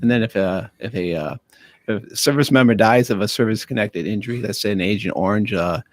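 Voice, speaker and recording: A man answering questions on a radio show as a guest, speaking haltingly with many fillers and restarts. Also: on the low side, no echo. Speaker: county veterans affairs officer, studio guest. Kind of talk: casual radio interview. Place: radio studio. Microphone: studio microphone.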